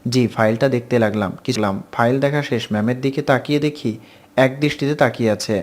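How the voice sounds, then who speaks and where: Man, storyteller, first-person narration, calm steady reading, middle pitch. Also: brisk.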